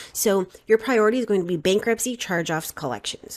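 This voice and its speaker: A woman talks with ordinary pitch variation on a very clean recording with a silent background. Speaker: credit repair coach. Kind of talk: live workshop presentation. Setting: livestream. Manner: fast.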